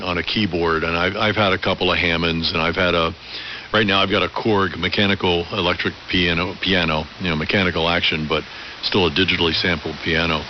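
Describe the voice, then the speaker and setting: Middle aged guy on am ham radio, lowish voice, thoughtful storyteller type, lots of hiss. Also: lo-fi sound. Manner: reflective, articulate storytelling. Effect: AM ham radio transmission. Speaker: amateur radio operator. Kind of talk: long conversational radio transmissions. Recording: band-limited AM radio with loud hiss.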